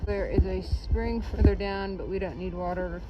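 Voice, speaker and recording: A hiker talks casually to a handheld camera on a windy mountain trail and slips in dry jokes. The sound is dull and lo-fi. Wind noise roars clearly behind the voice. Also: mid-range voice, steady tone, moderate pace. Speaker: hiker filming a trail vlog. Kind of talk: casual vlog narration.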